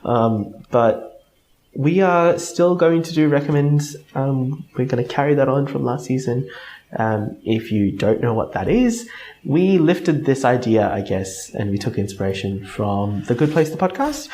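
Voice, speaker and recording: A man's voice: medium pitch, animated, unhurried, dark tone, rough recording. A man co-hosting a podcast in casual chat, hesitant and full of fillers as he steers the segment. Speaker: podcast co-host.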